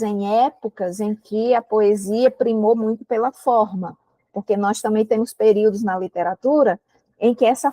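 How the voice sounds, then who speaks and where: A woman with a Brazilian Portuguese accent gives a literature lesson, explaining step by step and often pausing to check that students follow. Her voice sits at a middle pitch and sounds dry and close, with no room echo around it. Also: darkish tone. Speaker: literature teacher. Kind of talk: recorded prep-course lecture. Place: indoor room with a window, rain outside.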